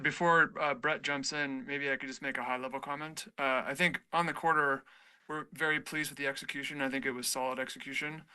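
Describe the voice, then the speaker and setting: A male executive comments on an earnings call. The voice is forceful, very bright and crisp, with little movement in pitch. He speaks in informal business language. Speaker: company executive.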